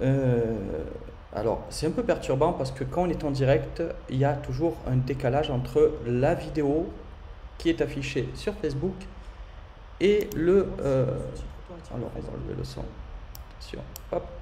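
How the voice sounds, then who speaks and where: A man with a southern French accent speaks at a fairly slow pace, leaving long, frequent pauses. Audible room echo surrounds his voice. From southern France. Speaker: online business trainer. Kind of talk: live stream presentation. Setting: Facebook live stream. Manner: hesitant, many fillers.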